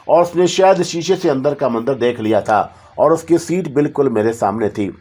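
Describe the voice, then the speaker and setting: Male narrator of a spoken horror story, mid-pitched, measured and dramatic scripted reading. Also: animated, darkish tone, slightly rough.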